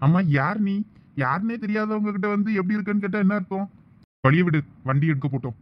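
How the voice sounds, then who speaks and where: A devoted young cartoon husband, voiced by a man, grumbles earnestly in a Thoothukudi Tamil accent. His voice sits high for a man, and the audio is dull and lo-fi. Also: fast, natural voice. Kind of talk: cartoon voice acting.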